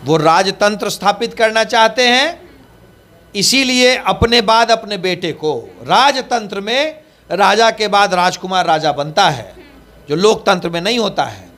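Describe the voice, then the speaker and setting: High-voiced man, emphatic spokesperson. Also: lively intonation, a little slow, a bit bright. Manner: emphatic, rhetorical, repeats phrases. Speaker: party spokesperson. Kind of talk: political interview.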